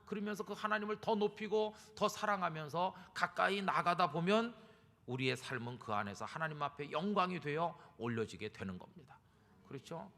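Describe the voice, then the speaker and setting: A man's voice: fairly high pitch, animated, moderate pace, pushed and bright. A man preaching a sermon as a pastor, speaking emphatically and rising to fervent appeals. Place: church sanctuary. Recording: long church reverb.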